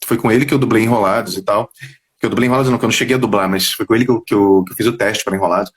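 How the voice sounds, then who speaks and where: Fast, lively Rio voice actor. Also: male voice, fairly low pitch. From Brazil. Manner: quick, animated storyteller, drops into quoted voices. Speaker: voice actor guest. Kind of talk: casual interview chat. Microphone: headphones on a video call.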